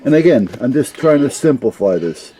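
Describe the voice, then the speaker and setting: Older man with a very dark, mellow voice. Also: mid-range voice, very animated, normal speed. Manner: rambling, plain-spoken, folksy. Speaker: CB radio hobbyist explaining gear. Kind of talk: casual unscripted explainer.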